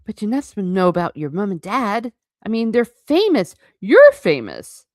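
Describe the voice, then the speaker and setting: A woman acts out a big gruff half-giant gamekeeper from a storybook. He booms and blusters in folksy speech, his pitch swinging widely, heard close and dry. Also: wildly swooping pitch, a little slow, a little mellow, no room sound. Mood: incredulous. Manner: booming, indignant, folksy speech. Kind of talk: storybook character voice.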